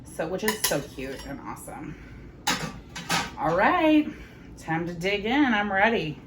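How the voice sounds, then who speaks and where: A woman in her thirties chatting casually in her home kitchen as she tastes her food, often pausing to savor it with soft hums. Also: on the low side, expressive, background noise. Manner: chatty, savoring bites with frequent mm sounds. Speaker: home cooking vlogger. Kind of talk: casual chat while tasting food.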